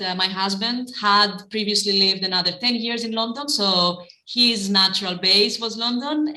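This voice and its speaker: A middle-aged woman from Greece, answering interview questions in a measured way, with frequent ums and restarts. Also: medium pitch, sharp tone. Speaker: guest, private equity managing partner. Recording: echoey room.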